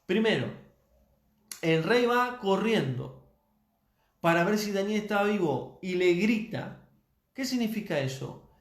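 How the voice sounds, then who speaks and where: A man delivers a sermon at a slow, deliberate pace, his voice sitting a little high. He leans on repeated phrases for emphasis, and the room around him rings with echo while soft music plays faintly underneath. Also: animated. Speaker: preacher.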